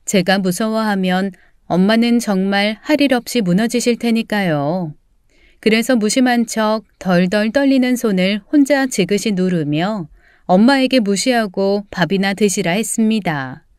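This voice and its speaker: Woman acting as wronged daughter, first-person audio story, smooth clear voice, medium pitch, measured, restrained, resolute, dry close sound. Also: a little mellow, dry recording, natural voice. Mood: tense, restrained.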